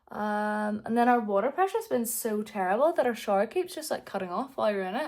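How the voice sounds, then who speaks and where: Someone with a Northern Irish accent talks at a very fast pace. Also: woman. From Northern Ireland. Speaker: knitting vlogger. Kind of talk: casual vlog chat. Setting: at home, on the bed.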